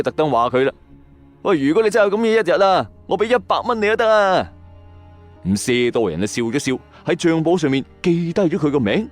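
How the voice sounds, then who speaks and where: Hong kong cantonese guy telling spooky legends, very up and down dramatic voice, faint music behind. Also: mid-range voice. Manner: dramatic storyteller addressing listeners, acting out quoted lines. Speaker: host of a late-night ghost story and urban legend show. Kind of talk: scripted storytelling narration of eerie tales. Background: background music.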